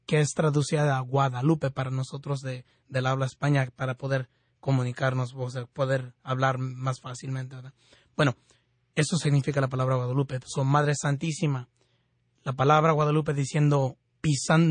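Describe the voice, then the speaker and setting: A man's voice: mid-range voice, no room sound. A man hosting a Catholic radio show, speaking fervently in prayer and teaching with frequent restarts. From California.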